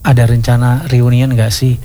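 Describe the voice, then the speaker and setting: A man hosting a show, briskly reading out listener questions to his guest. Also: medium pitch, level tone. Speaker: radio show host. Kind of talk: casual chat.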